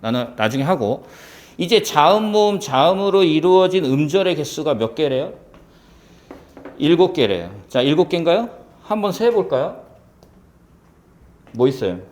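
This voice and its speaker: Male exam-prep teacher, slightly high and very animated pitch, classroom lecture full of check-in questions. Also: moderate pace, pauses often. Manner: lively, asks many rhetorical check questions. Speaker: civil service exam Korean teacher.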